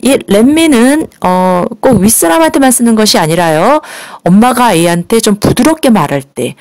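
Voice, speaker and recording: A woman giving a recorded English lesson, patient and polite as she explains. She slows right down to model each phrase for learners to repeat. The sound is dry and close, with no room echo. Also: mid-range voice, a little mellow. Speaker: English teacher.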